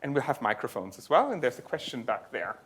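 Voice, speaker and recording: A man's voice: medium pitch, big pitch swings, fast, background noise. A man presenting research at a conference and answering audience questions, explaining in a thinking-aloud way with frequent restarts. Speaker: conference speaker. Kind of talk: tech talk and audience Q&A. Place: lecture venue.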